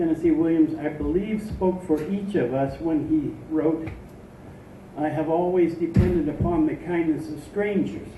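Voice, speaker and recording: A man talks in a fairly high voice with ordinary pitch variation. There is audible room echo and noticeable background noise. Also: moderate pace. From US Midwest, Indianapolis. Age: 70s. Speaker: panel speaker, formerly homeless. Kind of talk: public talk.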